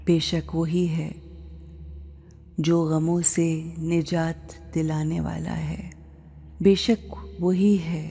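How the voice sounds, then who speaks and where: A woman leading a devotional guided meditation, speaking in measured short phrases with pauses and an often hushed, breathy delivery. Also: deep voice. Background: background music.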